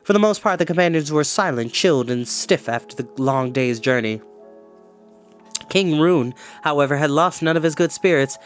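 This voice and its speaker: A man reading a storybook aloud as an expressive narrator. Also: on the high side, normal speed, soft background music. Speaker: storyteller, host.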